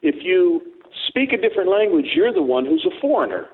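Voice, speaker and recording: A co-host man on a call-in radio show tells rambling, joking stories. His voice swoops up and down and sits a bit high. The sound is tinny and narrow, like a phone line. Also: very animated, fairly quick, gravelly. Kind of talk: casual radio talk.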